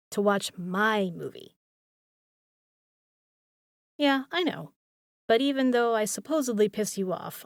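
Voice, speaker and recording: A woman's voice: a little high, dry recording, clean studio sound. A woman acting a caring, teasing young roommate in an intimate audio roleplay, speaking casually with playful emphasis and some swearing. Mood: bossy, teasing.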